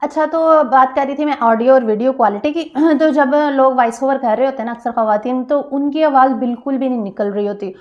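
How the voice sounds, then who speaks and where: Chatty woman vlogger, slightly hoarse. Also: high voice, a little fast, hardly any pauses, muffled recording. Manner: chatty, repeats phrases, addresses viewers directly. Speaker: vlogger giving channel tips. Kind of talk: casual vlog talk. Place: small store room on a rooftop.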